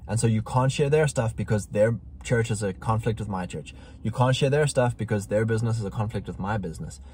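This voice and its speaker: A man's voice: fairly low pitch, fairly quick, a little mellow, slight background noise. A man co-hosting a Christian family channel, talking in a casual conversation in an emphatic, preachy way that gets heated.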